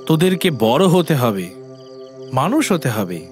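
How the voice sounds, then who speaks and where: A man's voice: on the high side, big pitch swings, unhurried, over music. A man playing an idealistic, caring village schoolteacher in a film drama. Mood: tender, earnest. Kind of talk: Bengali film drama acting.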